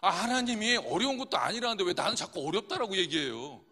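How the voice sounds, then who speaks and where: High lively-voiced male pastor preaching. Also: fast. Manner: asks the congregation questions and answers them himself. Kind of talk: sermon. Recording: long hall reverb.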